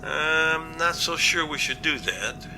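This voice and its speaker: A man playing an earnest, cautious captain in an amateur audio drama, reporting in a measured, matter-of-fact way. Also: on the high side, lively intonation, bright, forceful tone, a little hiss or hum, heavily acted, rough recording. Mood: cautious, firm. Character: male captain, earnest, practical, cautious, plain-spoken.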